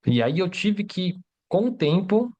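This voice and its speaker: A man's voice: sits high, very animated, a little slow, dark tone. A man who learned Portuguese as a second language, teaching Mandarin in a livestream lesson, explaining step by step and checking in with "né?" and "tá?". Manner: explanatory, rhetorical questions, frequent "né?" and "tá?".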